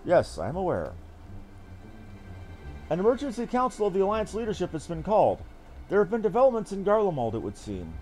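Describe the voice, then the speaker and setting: Man playing a composed, high-voiced commander. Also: huge pitch swings, fairly quick, long pauses, a little mellow. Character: composed, shrewd commander questioning a subordinate. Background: game music.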